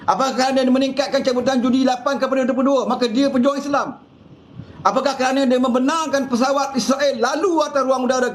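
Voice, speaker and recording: A man with a Malaysian Malay accent giving a fiery political monologue full of scolding rhetorical questions. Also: very high-pitched. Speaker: political commentator.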